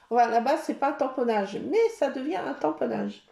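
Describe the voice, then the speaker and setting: A middle-aged woman chatting casually as she shows her scrapbooking work and supplies, rambling and pausing often. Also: sits high, vocal fry, warm tone. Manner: chatty, rambling, full of hesitations. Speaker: scrapbooking vlogger. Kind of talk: casual show-and-tell chat.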